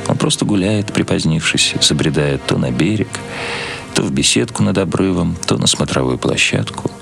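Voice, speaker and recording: A man's voice: sits low, expressive, normal speed, gravelly, fairly bright tone, soft background music. A man reading literary prose aloud as a scripted narration. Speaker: narrator, reader.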